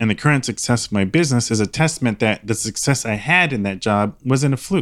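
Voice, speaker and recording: A man's unremarkable speaking voice at a medium pitch, with lively intonation and a fairly quick pace, on a very clean recording with a silent background. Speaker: podcast producer.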